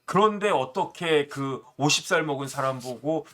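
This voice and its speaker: A man's voice: on the high side, moderate pace, fairly bright tone. A man in his fifties commenting on politics in a talk show, indignant and full of rhetorical questions. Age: 50s.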